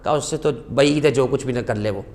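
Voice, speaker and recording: A man with a darkish mid-range voice appears as a guest scholar on a religious talk show. He tells stories passionately, rising sharply on key phrases and reciting Arabic quotations slowly.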